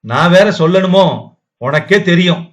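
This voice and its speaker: A man's voice: sits high, normal speed, pitched above the performer's own voice, close to an everyday voice. A man doing a slurring drunk rickshaw man. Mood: mocking drunk. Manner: slurred, mocking speech. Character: drunk young rickshaw man, bitter and mocking. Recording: dull lo-fi audio.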